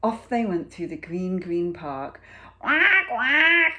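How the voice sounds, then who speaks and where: Lady teacher reading a kids picture book, really slow, slightly low voice, expressive with pauses. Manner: expressive, deliberate storytelling with dramatic pauses. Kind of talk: children's picture book read-aloud.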